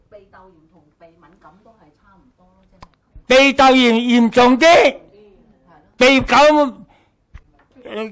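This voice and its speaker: An older man with a Hong Kong Cantonese accent gives a health lecture in a small hall. His voice sits very high and he talks slowly. He is blunt and teasing and repeats his points. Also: fairly bright tone. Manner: blunt, joking, repeats himself. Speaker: teacher. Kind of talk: lecture with audience questions.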